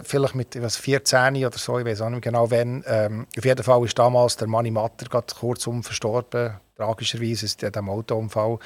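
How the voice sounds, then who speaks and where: A man's voice: medium pitch, no echo. Swiss man with faint American accent, dry sound. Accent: Swiss German with a faint American tinge. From Switzerland. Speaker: interviewed musician. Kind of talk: casual radio interview talk.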